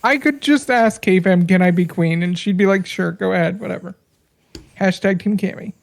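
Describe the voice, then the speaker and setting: Woman podcast host, deadpan, mock-serious, teasing stream banter. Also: medium pitch, normal speed.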